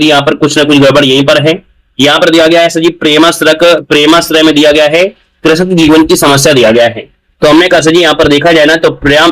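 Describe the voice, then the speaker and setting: Male tutor, slightly high voice, repetitive exam-prep lecturing. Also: a bit bright, poor audio. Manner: repetitive, addresses students as "sir ji". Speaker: teacher.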